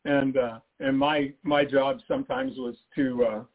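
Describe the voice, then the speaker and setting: An older man, a guest author on a radio interview, talking in a halting, easygoing way with frequent restarts. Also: mid-range voice, fairly even intonation, slight background noise. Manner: halting, repeats himself, easygoing humor. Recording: tinny phone-line audio.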